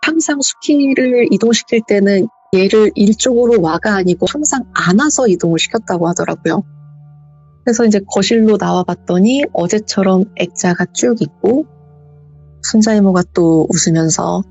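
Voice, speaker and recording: A woman's voice: mid-range voice, moderate pace, a little mellow, husky, lo-fi sound, faint music behind. A woman hosting a horror radio show, retelling a listener's true ghost story in a conversational way. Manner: conversational storytelling, acting out the quotes.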